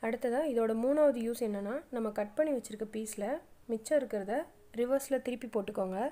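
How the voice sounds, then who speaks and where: A woman's voice: on the high side, brisk, warm tone. A middle-aged woman, narrating a step-by-step sewing tutorial with plain, patient instructions. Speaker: craft channel host.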